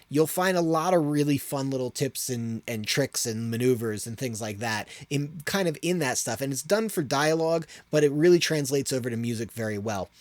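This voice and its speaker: A man's voice: mid-range voice, no room sound. A man hosting an audio tutorial, explaining in an informal, rambling way as he thinks aloud. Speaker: audio production tutorial host.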